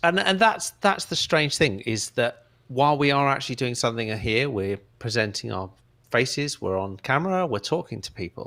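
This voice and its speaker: A man's bright, sharp, medium-pitched voice at a moderate pace, with very wide pitch swings. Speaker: audio tech guest. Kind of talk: casual chat. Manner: loud. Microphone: radio broadcast microphone, close and present.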